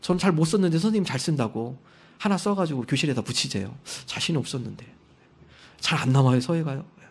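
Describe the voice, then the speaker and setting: A man pastor preaching a Sunday sermon, telling stories and acting out quotes, and rising to loud emphasis on key lines. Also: on the high side, lively intonation, quick pace, husky. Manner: storytelling with acted quotes.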